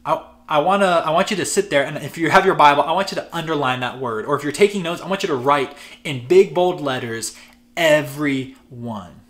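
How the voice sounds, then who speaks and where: A man's voice: fairly high pitch, fast, hardly any pauses, fairly bright tone. A man preaching a sermon to his congregation, earnest and conversational, repeating words for emphasis and acting out everyday prayers. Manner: voices imagined prayers in an easy conversational tone. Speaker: pastor.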